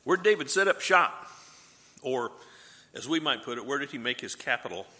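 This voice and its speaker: A man's voice: mid-range voice, expressive, a little fast, bright, forceful tone, in a large hall. A man teaching a Bible class review. He asks the class questions, answers them himself, and adds light joking asides.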